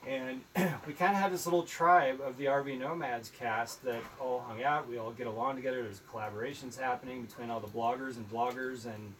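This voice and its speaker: Soft-spoken man on a distant phone mic. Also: mid-range voice, fairly even intonation, brisk, hardly any pauses, a little hiss or hum. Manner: soft-spoken, thoughtful, with many ums. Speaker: film producer, guest. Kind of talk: casual live video chat.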